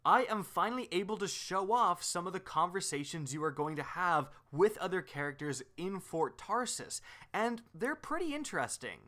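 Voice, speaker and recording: A man's voice: high voice, sing-song, normal speed, bright, forceful tone. A man hosting a gaming video, giving upbeat, explanatory commentary as a voice-over.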